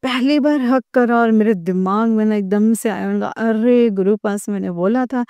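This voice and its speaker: A woman's voice: a little high, normal speed, dark tone, smooth, dry recording, dull audio. A young woman earnestly retelling a personal devotional experience to fellow believers, full of emotion and quoted back-and-forth. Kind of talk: heartfelt personal testimony.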